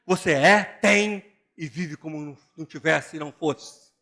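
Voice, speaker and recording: An older male pastor with a Brazilian Portuguese accent delivers an animated, joking sermon, imitating other people's voices. His pitch is fairly high and his pace moderate.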